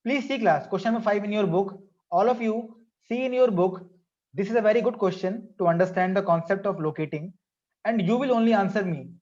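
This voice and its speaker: South Asian accent, teacher, medium pitch, interactive lesson delivery, repeated prompts, dull lo-fi recording. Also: a little fast, a little mellow. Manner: repeats phrases and questions to prompt pupils. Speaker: maths teacher. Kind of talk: interactive online class lesson, asking questions.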